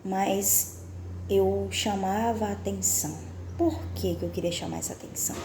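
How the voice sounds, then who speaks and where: A woman reading a Christian book aloud, pausing to add confessional comments and ask the listener direct questions. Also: mid-range voice, steady tone, roomy sound, noisy background. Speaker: Christian women's devotional speaker.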